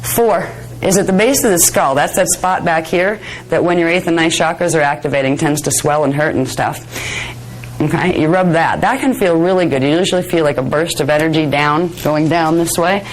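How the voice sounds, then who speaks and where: Female workshop instructor, lowish pitch, a little hoarse, conversational delivery, faint noise in the recording. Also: normal speed, rough recording. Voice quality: slightly hoarse, raspy. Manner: conversational, chatty, self-deprecating asides. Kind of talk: informal workshop lecture with demonstration. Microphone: worn or held microphone close to the face.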